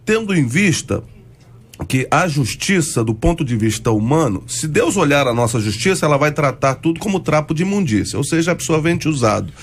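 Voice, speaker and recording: A Brazilian pastor lays out his reasoning step by step on a radio panel. His voice sits a little high for a man, and he moves steadily through the argument. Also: very animated, brisk. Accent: Brazilian Portuguese. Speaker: pastor, debate guest.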